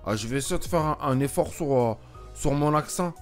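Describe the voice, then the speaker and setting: A man playing a rough, excitable gypsy. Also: a little high, a little fast, faint music behind. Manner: excitable, swearing, mumbling asides to himself. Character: rough-talking male gypsy job seeker. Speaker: roleplay streamer playing a gypsy character. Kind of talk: GTA roleplay commentary in character.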